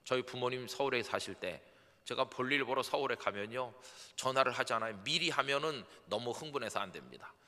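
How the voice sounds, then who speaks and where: A man's voice: mid-range voice, brisk. A middle-aged man preaching a dawn sermon as pastor, telling stories and acting out the voices of the people in them. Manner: acts out quoted voices, swings from soft to emphatic. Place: church sanctuary. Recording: church hall reverb.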